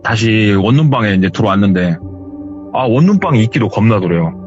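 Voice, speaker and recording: Man, horror storyteller, lively pitch, dull recording. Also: fairly quick, music in the background. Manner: lively, retelling hearsay.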